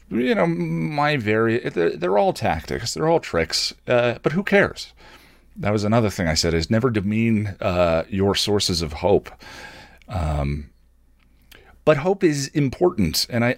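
Male host, lower register, reflective and candid first-person monologue with thoughtful halts; close, dry sound. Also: very animated, unhurried, no room sound. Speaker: host of an online show.

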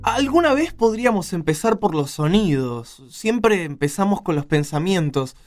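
A man playing a playful, excitable chapel helper in a radio drama, talking colloquially and insistently with a Rioplatense Argentine accent. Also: sits high, normal speed, soft background music. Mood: excited, playful.

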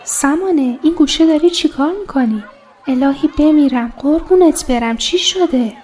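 Radio play: actress as soft-hearted young woman, coaxing, high voice, faint hiss. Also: some chatter behind, lightly acted. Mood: tender. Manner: tender, coaxing. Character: caring young woman comforting her friend. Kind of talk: radio drama acting.

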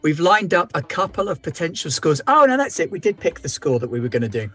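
A man's voice: on the high side, very animated, quick pace, fairly bright tone. A man in a tabletop game group, recapping a session in a dry, wry way. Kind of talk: casual recap.

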